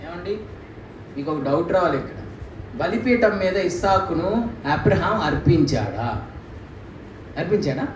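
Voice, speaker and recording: A man's voice: sits high, measured pace, long pauses. A man preaching a sermon in a church, speaking animatedly with rhetorical questions and acted quotes. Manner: animated, mimics scripture voices, rhetorical questions. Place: church hall. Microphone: handheld mic. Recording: echoey church room, distant mic, faint noise.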